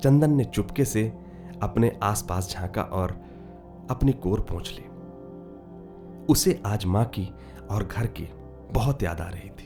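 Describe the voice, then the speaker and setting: The speaker's intonation is lively, broken by long, frequent pauses. Music plays in the background. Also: man, fairly low pitch for a man. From India. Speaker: poet and storyteller. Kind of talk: audio short story narration.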